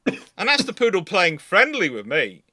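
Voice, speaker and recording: Male streamer, bright voice in a dry space, informal and digressive. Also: high-pitched, wildly swooping pitch, normal speed, no room sound. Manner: rambling, digressive. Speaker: live stream host. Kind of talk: casual livestream chat.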